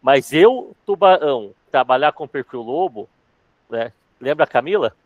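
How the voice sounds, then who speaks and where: A fast-talking man leads a casual live sales class, his words tumbling out quickly. His mid-range voice is recorded close and dry, with no room sound around it. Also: mid-range voice, lively intonation, dry recording, narrow, tinny audio. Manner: fast-talking, calls himself accelerated. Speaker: sales trainer.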